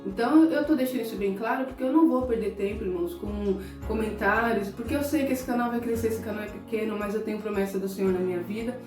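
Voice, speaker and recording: Speaking fast with hardly any pauses, a Brazilian woman preacher in middle age addresses her viewers directly in an emotional, sermon-like talk, at times close to tears. Her voice is medium-pitched and conversational, recorded in an echoey room on a distant mic with soft guitar behind her.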